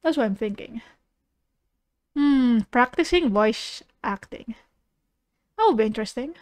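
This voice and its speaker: A woman's voice: a little high, expressive, unhurried. A woman streamer chatting casually as she reacts to videos, playful and rambling, with a giggly manner. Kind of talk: casual livestream reaction chat. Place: living room.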